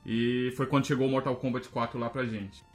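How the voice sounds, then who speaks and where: A man's voice: mid-range voice, little pitch movement, fairly quick, faint music behind. A man in his thirties from the interior of Brazil's Northeast, chatting in a rambling way on a casual podcast. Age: 30s. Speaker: podcast co-host.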